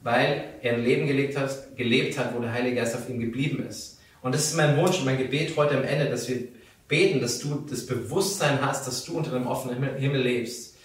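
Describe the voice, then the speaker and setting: A man's voice: mid-range voice, brisk. A man giving a conversational sermon, telling stories and speaking directly to his listeners. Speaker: preacher. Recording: very echoey, from a distance.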